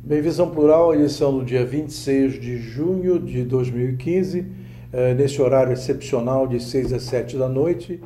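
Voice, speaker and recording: A man's voice: mid-range voice, normal speed, dark tone, roomy sound, faint music behind. An older man hosting a studio interview, chatty and self-mocking. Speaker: host. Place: small TV studio.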